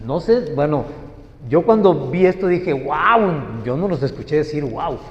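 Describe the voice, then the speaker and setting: A man preaching a sermon, teaching slowly and emphatically and putting questions to his listeners. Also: fairly high pitch, expressive. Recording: echoey hall, dull lo-fi sound.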